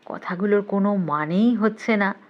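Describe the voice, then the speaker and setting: Woman, storybook narration, lively read-aloud, mid pitch. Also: moderate pace, dull audio. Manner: lively, voices characters with raised pitch. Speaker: story reader.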